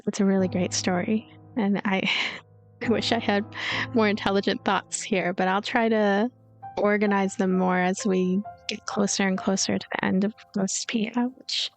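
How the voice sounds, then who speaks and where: A woman's voice: mid-range voice, a little mellow. A woman hosting a let's play, reading a visual novel aloud with casual commentary. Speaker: let's play host and narrator. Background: game music.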